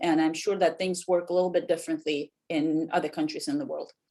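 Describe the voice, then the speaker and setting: A woman with a Russian accent. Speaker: economics professor. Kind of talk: lecture. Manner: casual, many fillers.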